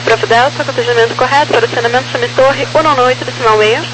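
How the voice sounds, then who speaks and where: A highish-voiced Brazilian woman speaks as an air traffic controller over a crackly aviation radio with clear noise and hum. She delivers clipped, procedural instructions in standard phraseology, spelling out codes with the phonetic alphabet. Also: fairly even intonation, rapid-fire, fairly bright tone.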